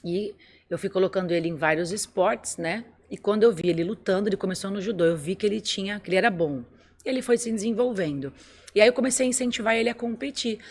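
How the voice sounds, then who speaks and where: A woman in casual conversation, telling a story about her son with lively quoted dialogue. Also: medium pitch, quick pace, slightly rough.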